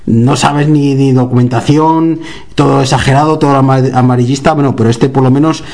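A man from central Spain, an author speaking as an interview guest, recounts stories animatedly and slips into acting out what people said. His pitch is in the ordinary middle range, and his talk is casual and conversational. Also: fairly quick. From Guadalajara, Spain. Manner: animated storyteller, acts out dialogue, laughs while telling.

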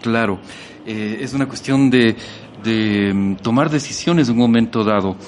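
A man hosting a conversational radio interview, asking in hesitant, halting phrases. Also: mid-range voice, slight background noise. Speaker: interviewer, host.

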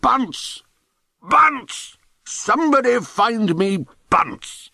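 A man's voice: lowish voice, big pitch swings, measured pace, fairly bright tone, no echo, clean studio sound, full character voice. A man voicing an exasperated, sarcastic, pompous old-school schoolmaster with an English accent in an audiobook. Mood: thundering.

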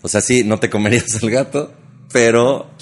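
A man's voice: mid-range voice, steady tone, normal speed. A young Mexican man co-hosting a comedy podcast, teasing and laughing often in casual chat. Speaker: podcast co-host.

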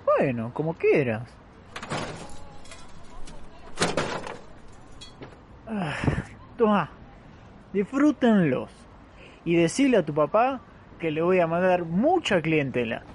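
A man's voice: on the high side, very animated, unhurried, darkish tone, a little hiss or hum. A man playing a friendly, grateful travelling fairground trader in a radio play, chummy and colloquial, with an Argentine accent. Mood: doubtful, obliging.

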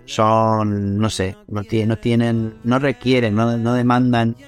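A man's voice: mid-range voice, little pitch movement, takes it slowly, faint music behind. A man from Spain, a musician, speaking reflectively in an interview and often repeating words as he searches for them. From Albacete, Spain. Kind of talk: interview answers.

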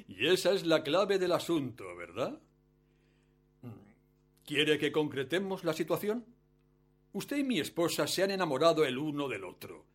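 An actor playing a wealthy, smug betrayed husband in a radio play, suave and mock-courteous with cruel menace. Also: male voice, on the high side, very animated, a little slow, long pauses. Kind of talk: Spanish-language radio play acting.

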